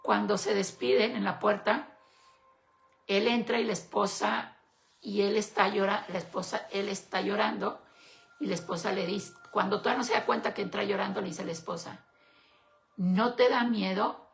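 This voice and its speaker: A woman co-hosting a Christian talk show, retelling a fable in an unhurried, storytelling way. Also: mid-range voice, steady tone, vocal fry. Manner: unhurried storyteller, slows for emphasis.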